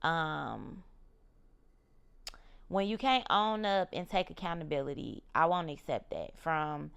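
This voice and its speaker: A woman's voice: sits low, animated, takes it slowly, vocal fry, fairly bright tone, smooth, muffled recording. A woman in her thirties hosting a podcast, talking candidly and emphatically about her own growth, often repeating her key phrases. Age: 30s. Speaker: podcast host. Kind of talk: personal reflective monologue.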